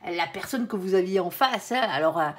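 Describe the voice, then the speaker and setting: A woman's voice: lowish voice, animated, brisk. A woman giving a casual tarot reading to her viewers. She talks in a loose, colloquial way, fills her speech with little tag words, and thinks aloud and corrects herself as she turns over cards. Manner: chatty, colloquial, full of "hein" and "euh" fillers, addresses the viewer as "mon ange"; thinks aloud while turning cards, with self-corrections and laughs. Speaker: tarot reader.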